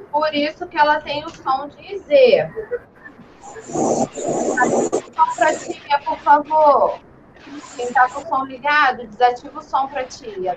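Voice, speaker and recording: A primary school teacher with a high-pitched voice teaches young children in an online class, speaking slowly, patiently and encouragingly and calling herself "tia". The video call audio is lo-fi with background noise.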